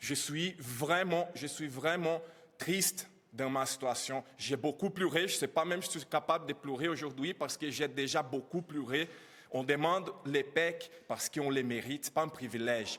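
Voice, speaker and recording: Someone speaks with a Portuguese accent at a fairly slow pace, using ordinary pitch variation. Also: man. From Brazil. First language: Portuguese (speaking French). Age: 30s. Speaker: immigrant teacher trainer. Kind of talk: press conference testimony. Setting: press scrum at the National Assembly. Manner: emotional, halting.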